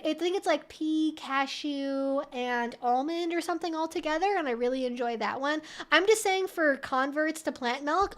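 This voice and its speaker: High-pitched woman chatting on a livestream. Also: fairly bright tone. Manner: chatty, rambling, thinking aloud. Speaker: livestream host answering viewer questions. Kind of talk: casual live Q&A chat, reading out viewer messages.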